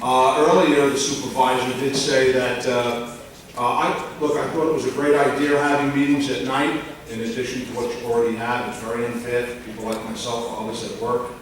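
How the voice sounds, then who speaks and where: An older man from Long Island, speaking bluntly and loudly to a town board during public comment. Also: medium pitch, level tone, moderate pace, a little hiss or hum. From Long Island, New York. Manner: blunt, complaining, loud. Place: large echoey public meeting room. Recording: echoey room audio from far off.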